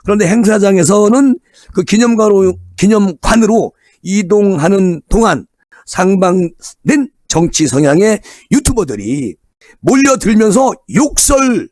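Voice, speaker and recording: A man giving a casual solo political commentary, animated and chatty, sometimes dropping into low muttered asides. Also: no echo, clean studio sound. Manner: animated, acts out crowd chants in raised voice.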